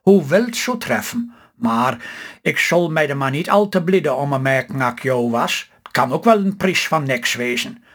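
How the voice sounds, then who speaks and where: A man with a Stellingwerfs accent voicing a gruff, doubtful older farmer in a read-aloud story. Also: a little high, animated, moderate pace, fairly bright tone. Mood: grumbling. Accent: Stellingwerfs Low Saxon. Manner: grumbling, doubtful.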